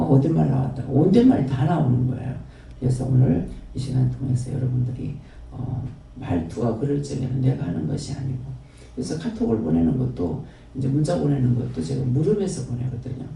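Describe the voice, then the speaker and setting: Speaking in Gyeongsang-accented Korean, this male pastor delivers a folksy sermon that rambles and repeats itself before ending in prayer. He has a mid-range, dark-toned voice with vocal fry, and he sounds expressive and brisk. A far-off mic captures him in a heavily echoing hall.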